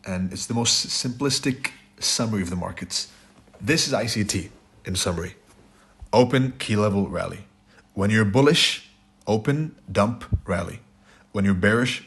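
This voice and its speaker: A very deep-voiced man gives a blunt trading lecture over slides, and his voice has gone raspy and hoarse from a sore throat. He keeps driving his points home with short repeated phrases and a habitual "right?". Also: measured pace, a bit bright. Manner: blunt, repeats "right?" and "it's your fault". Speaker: trading instructor.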